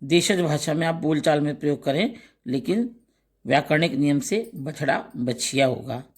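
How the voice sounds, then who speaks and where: A man teaching a grammar lesson, slowly reciting pairs of words one by one and adding short explanations. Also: a little high, expressive, slightly rough. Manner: slow, deliberate recitation of word lists with brief explanations.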